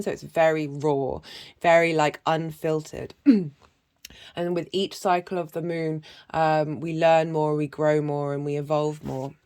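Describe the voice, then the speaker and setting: A woman talks through a tarot spread in a relaxed, reflective way, often pausing and restarting her thoughts. Her voice sits a little low and sounds husky, as she is getting over a cough. She speaks casually, as if to viewers of her channel. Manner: reflective, halting with many fillers and restarts. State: hoarse from a cough. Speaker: tarot reader. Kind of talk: casual spoken tarot reading.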